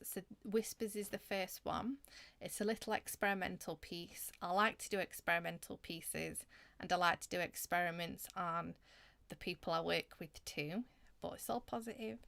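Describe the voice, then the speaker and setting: A woman's voice: lowish voice, vocal fry, fairly bright tone, no room sound. A woman hosting a casual, informal chat with her followers. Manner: chatty, informal. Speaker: host, hypnosis audio creator.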